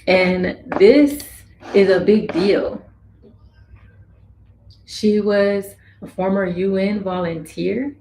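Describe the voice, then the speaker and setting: A woman voicing a signed introduction and interview as interpreter, speaking slowly in measured phrases. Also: mid-range voice, fairly even intonation, warm tone, slight background noise. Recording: echoey room with faint ambience.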